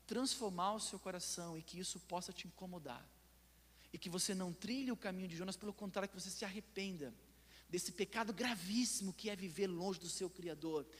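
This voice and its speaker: A man with a Brazilian Portuguese accent preaching a sermon in church as pastor, swinging between loud and hushed and putting pointed questions to the listeners. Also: sits high, big-room sound. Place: church sanctuary.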